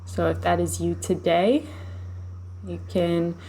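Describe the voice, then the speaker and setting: Low-voiced woman guiding a meditation. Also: little pitch movement, a little hiss or hum, rough recording. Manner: soothing, unhurried, gently instructive. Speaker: guided meditation teacher. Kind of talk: guided meditation, live session.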